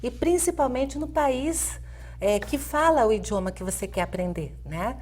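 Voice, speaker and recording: A woman's voice: on the high side, animated, normal speed, darkish tone, slight background noise. A middle-aged Brazilian woman, a language teacher, explaining things in an interview with hesitant fillers and tag questions. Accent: Brazilian Portuguese. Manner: hesitant fillers, frequent "né?", light laughs. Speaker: Spanish language teacher, guest.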